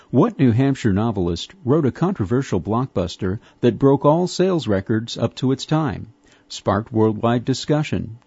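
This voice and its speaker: A man reading a magazine article aloud as scripted narration, in a measured, formal way with steady phrasing. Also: medium pitch, breathy edge, no echo. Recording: dull lo-fi recording.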